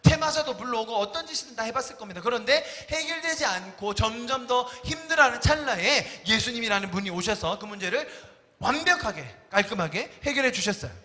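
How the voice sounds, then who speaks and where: Male pastor, animated sermon delivery, very high and bright tone, wide pitch movement. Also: fairly quick, in a large hall. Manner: animated, acts out voices of disciples and Jesus. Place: church sanctuary.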